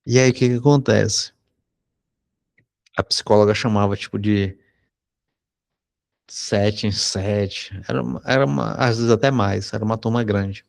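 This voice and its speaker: Brazilian guy teaching psych, kinda low gravelly voice, chatty, keeps checking in w/ the listener. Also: steady tone, a little slow, pauses often. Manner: conversational, frequent tag questions. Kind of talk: anecdote told in a recorded lesson.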